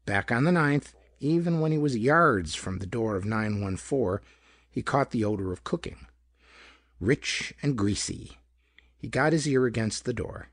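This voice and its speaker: A man's voice: mid-range voice, expressive, measured pace, dry recording, clean studio sound. A man reading a pulp detective story as an audiobook narrator, in scripted narration.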